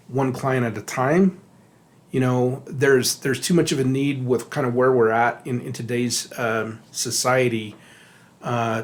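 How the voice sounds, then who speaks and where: A middle-aged man from Texas speaks in a relaxed podcast conversation. He pauses often on fillers and restarts his phrases as he works out what to say, at an ordinary pitch for a man. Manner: halting, many fillers and restarts. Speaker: podcast co-host, addiction therapist. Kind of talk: casual podcast talk.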